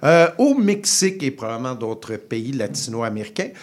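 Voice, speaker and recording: A man talks through his food column in a radio studio. His delivery is chatty and playful, full of small hesitations, at a middle pitch. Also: big pitch swings, moderate pace. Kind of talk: radio food chronicle, casual chat.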